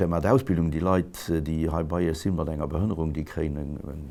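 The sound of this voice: Speaking fast, a man with an extremely low pitch and a dark, mellow tone keeps his intonation fairly even, vocal fry running through his voice.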